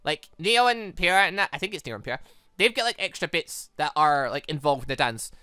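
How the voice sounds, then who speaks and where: A gaming host giving casual, rambling commentary in an excitable, conversational way. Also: medium pitch, fairly quick, clear, resonant tone, no room sound, clean studio sound.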